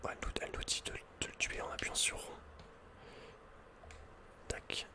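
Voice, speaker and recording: A man whispering casual, slangy, playful game commentary in a breathy ASMR style, close to the microphone. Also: normal speed. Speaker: ASMR video game player.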